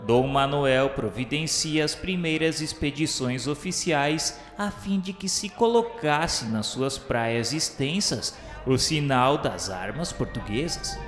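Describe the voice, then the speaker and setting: Male narrator, Brazilian accent, for solemn radio storytelling; literary and measured, drenched in reverb over music. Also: medium pitch. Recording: echoey hall reverb, music underneath. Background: background music.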